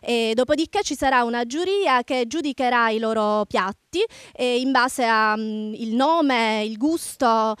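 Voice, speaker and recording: A woman's voice: fairly high pitch, a bit bright, clean tone, dry recording, clean studio sound. A woman organizer explaining a cooking contest outdoors with a handheld mic, in a plain, explanatory way. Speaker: event organizer. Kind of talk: explaining an event. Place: outdoors in a courtyard.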